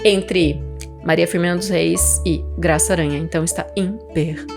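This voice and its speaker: A woman's voice: lowish voice, fairly even intonation, moderate pace, vocal fry, over music. A woman with a Brazilian accent co-hosting a literary podcast, explaining things conversationally with frequent tag questions. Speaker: podcast co-host.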